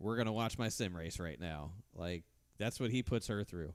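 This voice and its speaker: At a moderate pace and with ordinary pitch variation, a man is heard on a very clean recording with a silent background. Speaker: sim racing streamer. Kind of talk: live stream commentary. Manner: loud; animated.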